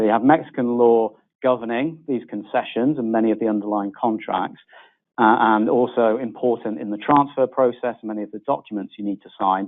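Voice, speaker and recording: At a fairly quick pace, a man with a British accent talks at a medium pitch with fairly even intonation. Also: big swings in loudness. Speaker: lawyer. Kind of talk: conference presentation. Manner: halting, with frequent fillers.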